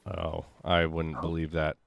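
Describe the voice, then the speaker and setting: A man with a deep voice chatting casually while streaming a game, rambling with many fillers. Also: monotone, unhurried, gravelly. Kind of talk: casual gaming chat.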